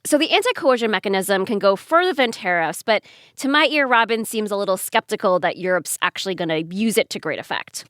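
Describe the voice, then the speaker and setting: Lively female podcast co-host. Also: mid-range voice, brisk, hardly any pauses, dry recording, clean studio sound. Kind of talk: conversational explainer.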